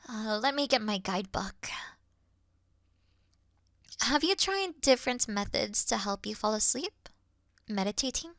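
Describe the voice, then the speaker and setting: A woman playing an awkward, officious moth girl in a sleep-aid ASMR roleplay, speaking softly and deliberately in a dry bedside murmur that slips into whispers. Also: on the high side, no echo. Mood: polite, matter-of-fact, then earnest, dry. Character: awkward, officious young female moth monster offering comfort.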